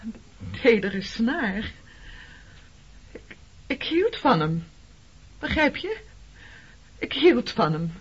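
A grieving, defensive woman speaks with emotion in a slightly husky voice. Her delivery halts and pleads, in the manner of radio drama, and the recording is muffled and lo-fi. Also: on the high side, sing-song, slow, pauses often, heavily acted. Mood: wistful, confessing. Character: defensive grieving woman, shunned for loving an enemy officer. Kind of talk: Dutch radio drama acting. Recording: dull lo-fi radio play recording.

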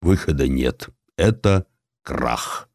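A bold, dutiful young man, voiced by a male narrator, talks plainly and matter-of-factly. His voice is deep, with lively movement in pitch. It is storybook dialogue in a dry recording. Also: takes it slowly, creaky, no room sound, exaggerated voice. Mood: resigned. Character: bold, good-natured young brawler turned dutiful chemist son. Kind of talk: acted dialogue within audiobook narration.

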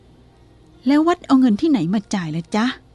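A woman's voice: on the high side, very animated, moderate pace, mellow, husky, no echo, faint music behind, pitched above the performer's own voice. A woman voicing a curious, genteel upper-class minister's wife in a storybook reading, asking questions in a sweet, slightly condescending way.

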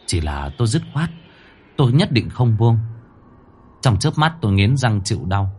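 A man's voice: fairly low pitch, big pitch swings, moderate pace, darkish tone, husky. A man narrating a horror story in a dramatic, suspenseful manner. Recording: faint music bed under the voice.

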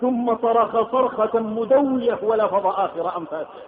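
A man's voice: very high-pitched, normal speed. A man preaching an emotive sermon, sometimes chanting his lines. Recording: echoey hall, tinny phone-like sound.

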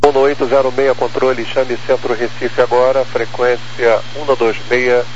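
Over a dull radio channel with faint noise, a Brazilian man gives air traffic control instructions. His pitch is middling and his phrasing procedural and formulaic. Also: level tone, normal speed. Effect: radio transmission.

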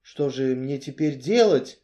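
A man's voice: medium pitch, lively intonation, unhurried, dark tone, natural voice. A man voicing a timid, anxious Jewish man who speaks in a plaintive, trembling, questioning way. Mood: frightened questioning.

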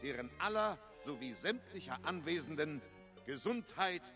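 A man's voice: on the high side, animated, normal speed, close to an everyday voice. An actor playing a man who gives a formal, declamatory toast at a festive gathering in a radio drama. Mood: festive, ceremonial. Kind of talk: literary radio drama acting. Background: music.

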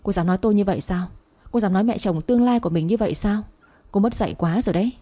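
A woman's voice: mid-range voice, racing, warm tone, natural voice. A woman doing a sneering rich older lady. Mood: furious. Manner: sneering, mocking. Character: scornful rich older woman, future mother-in-law.

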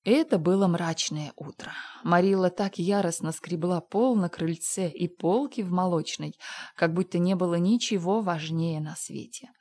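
A woman narrating a dramatized audiobook in a measured storytelling manner. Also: lowish voice, darkish tone.

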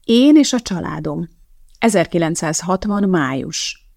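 A woman reading a novel aloud in a measured, even audiobook narration. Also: lowish voice, vocal fry, dry recording, studio quality.

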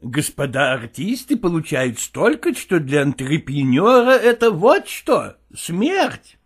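A man's voice: on the high side, very animated, slightly rough, exaggerated voice. A man voicing an evasive, fussy male theatre partner who speaks broken Russian with a Yiddish-flavoured accent. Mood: hushed pleading. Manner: drawn-out, wheedling, broken grammar. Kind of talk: audiobook character voice.

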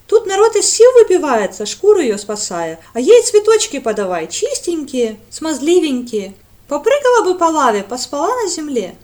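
A woman doing a loud, fiery young girl. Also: high-pitched, very animated, moderate pace, hardly any pauses, voice pushed up. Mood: indignant. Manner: loud, indignant, outspoken. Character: hot-tempered blunt young woman.

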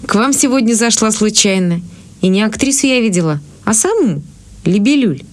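A woman's voice: medium pitch, lively intonation, moderate pace, lightly acted. An actress playing an eccentric, forthright young woman in a radio drama, chatty and idealistic. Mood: wondering. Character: eccentric, earnest, fearless young woman fighting evil.

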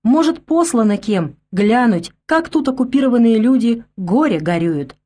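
A woman's voice: on the high side, lively intonation, normal speed, warm tone, voice pushed up. A woman reading an audiobook, voicing a wary, grumbling old village man with folksy speech. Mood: wry.

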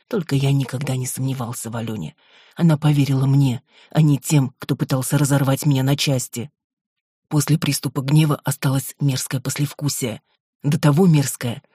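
A man narrating a first-person audiobook in a measured, brooding way. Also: medium pitch, warm tone, husky, no echo, studio quality.

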